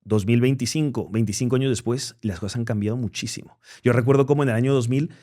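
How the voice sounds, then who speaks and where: A man's voice: mid-range voice, quick pace, dark tone. A man in his forties with a blend of Spanish and Latin American accents, speaking as an interview guest in an emphatic way and often repeating words while he gathers his thoughts. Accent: mixed Spanish and Latin American. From Spain. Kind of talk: conversational interview.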